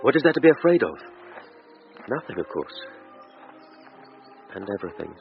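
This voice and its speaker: A man's voice: medium pitch, big pitch swings, moderate pace, vocal fry. An actor playing a nervous young man, a dreamy lovesick suitor, speaking an anxious inner monologue in a radio drama. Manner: anxious inner monologue, wavering between hope and dread. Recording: dull lo-fi radio broadcast with music behind.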